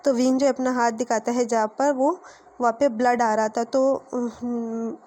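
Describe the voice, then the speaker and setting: A woman narrates a fan fiction story in a relaxed, conversational way, stopping for fillers and fixing her own slips. Her voice sits a little high yet sounds soft and mellow. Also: moderate pace.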